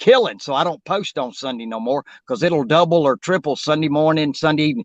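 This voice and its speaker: A man with a fairly high pitch talks at a very fast pace with lively intonation. The sound is dry and close, with no echo. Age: 60s. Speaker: slot livestreamer. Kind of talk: livestream panel chat. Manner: casual, filler-heavy.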